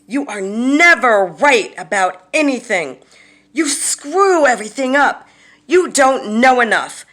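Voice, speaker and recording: A woman's voice: on the high side, expressive, takes it slowly, a bit bright, pitched above the performer's own voice. A woman voicing a cruel, furious abuser who screams harsh insults at a child, punching each phrase. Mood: furious, contemptuous.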